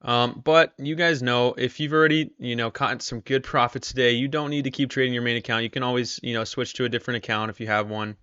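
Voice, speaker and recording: A man's voice: mid-range voice, steady tone, fast talker, few pauses, bright, forceful tone, clear, resonant tone, no room sound, muffled recording. A man hosting a casual live stream, chatting with viewers while losing his voice. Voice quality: strained, tired voice. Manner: chatty, reads viewer comments aloud. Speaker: live-stream trader host.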